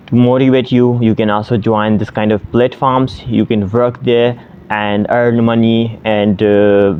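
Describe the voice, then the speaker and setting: A man's voice: fairly low pitch, clear, resonant tone, narrow, tinny audio. A man in his twenties from Pakistan, a native Sindhi speaker, talking casually to the camera as an online language tutor, with many fillers and restarts. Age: 20s.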